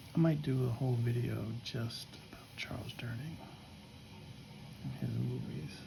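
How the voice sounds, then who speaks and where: A soft-spoken whisper at a moderate pace, with big swings in loudness and long, frequent pauses. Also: man. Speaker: ASMR creator, fountain pen hobbyist. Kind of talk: ASMR whisper talk while writing. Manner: whispered, soft-spoken.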